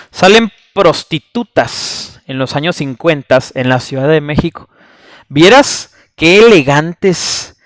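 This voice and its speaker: A man's voice: a little high, a bit bright, no echo. A man delivering a blunt, scornful, preachy monologue as a channel host, cursing and tagging his points with rhetorical questions.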